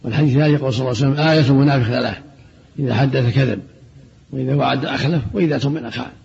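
An older man, an Islamic scholar, giving a religious lesson, briskly quoting texts and then explaining them plainly. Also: medium pitch, steady tone, darkish tone. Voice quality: gravelly, very husky. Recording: dull lo-fi archive recording.

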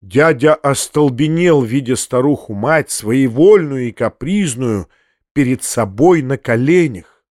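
A man reading a classic novel aloud as an audiobook narrator, measured and even. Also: mid-range voice, dry recording, clean studio sound. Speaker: audiobook reader. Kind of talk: scripted literary narration.

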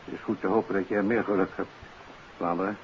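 An actor playing a courteous senior police chief, calmly in charge, in a 1950s radio drama. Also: male voice, sits low, fast talker, lightly acted. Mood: businesslike. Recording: dull 1950s radio recording, faint hiss.

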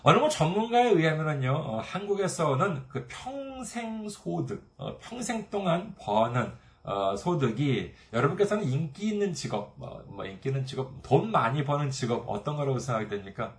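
A man's voice: moderate pace, few pauses. A man preaching a sermon as pastor, retelling a parable and briefly acting out its characters' voices. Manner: storytelling, acting out parable voices with lively pitch swings.

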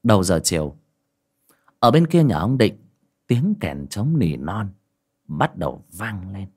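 Lively male folk-tale narrator. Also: low-pitched, a little slow, husky. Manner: lively storytelling. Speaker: storyteller. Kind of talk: folk ghost story narration.

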